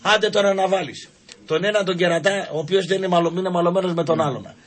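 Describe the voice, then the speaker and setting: A man's voice: high voice, slightly rough. A man telling comic anecdotes on a radio show, acting out voices in his stories. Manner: animated, acts out voices in anecdotes. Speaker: radio show guest storyteller. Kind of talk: casual comic storytelling. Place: radio studio.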